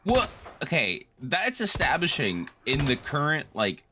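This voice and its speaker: A man's voice: on the high side, huge pitch swings, a little slow, background noise. A man co-hosting a gaming series, chatting casually and jokily as he rambles along with a friend. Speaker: co-host of a gaming let's play series. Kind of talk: casual chat over gameplay, bantering with a friend.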